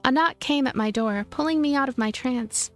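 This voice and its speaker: A woman's voice: high-pitched, moderate pace, fairly bright tone. A woman narrating a visual novel as a let's play host, reading the story expressively. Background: background music.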